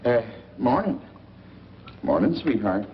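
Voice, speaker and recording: A man's voice: medium pitch, big pitch swings, takes it slowly. An actor playing a folksy, wry small-town newsman in a muffled, noisy 1940s film. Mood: teasing.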